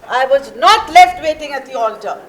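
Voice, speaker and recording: A woman's voice: sits high, expressive, normal speed, crowd noise. A woman in a staged comic play reading, playing a prickly jilted office worker who tries to keep order, exasperated and emphatic. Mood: indignant. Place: live stage at a literature festival.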